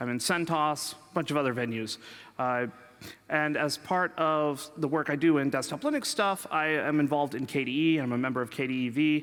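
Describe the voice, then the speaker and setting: A man with an American accent and a plain, everyday voice talks at a fairly quick pace in a fairly high pitch, his intonation fairly even. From United States. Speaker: open source consultant; conference speaker. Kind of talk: conference talk. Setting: stage with audience. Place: stage.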